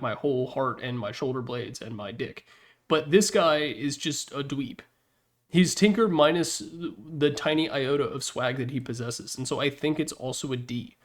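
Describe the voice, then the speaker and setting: A young man giving casual, opinionated commentary on video games in an informal, slangy, joking way. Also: medium pitch.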